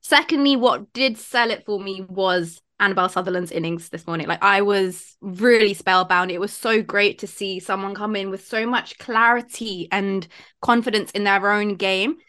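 A woman's voice: medium pitch, normal speed, bright, forceful tone. A woman from India co-hosting a casual sports podcast, talking in a gushing, emphatic way. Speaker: podcast co-host.

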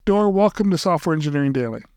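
A male podcast host asks questions in a friendly, conversational way, with a few fillers. His voice is smooth and resonant and a little higher than most men's. The sound is close and dry. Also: animated, fast, a little mellow, dry recording. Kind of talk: interview podcast hosting.

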